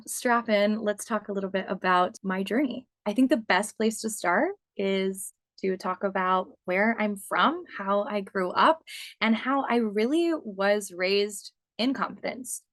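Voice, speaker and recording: A woman's voice: mid-range voice, a bit bright, dry recording. A young adult woman from Pennsylvania hosting her podcast alone, talking earnestly and encouragingly straight to the listener. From Pennsylvania, USA. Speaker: podcast host and body confidence coach. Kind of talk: solo podcast monologue.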